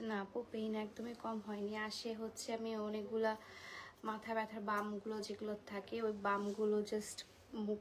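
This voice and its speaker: A woman selling saris on a live stream, speaking softly because of a migraine and mixing English words into her Bengali. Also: medium pitch, low-quality recording. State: suffering a migraine. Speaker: live sari seller. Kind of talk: live-stream sales chat.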